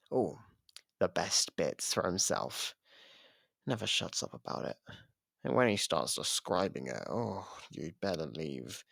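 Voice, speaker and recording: Man acting a gravelly, taunting jailed killer. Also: fairly low pitch, no room sound, clean studio sound, full character voice. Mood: mocking, amused. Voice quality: gravelly, husky. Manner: taunting, theatrical, drawn-out pauses. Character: taunting, sardonic imprisoned murderer baiting a detective. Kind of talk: ASMR roleplay monologue. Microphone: close microphone, dry.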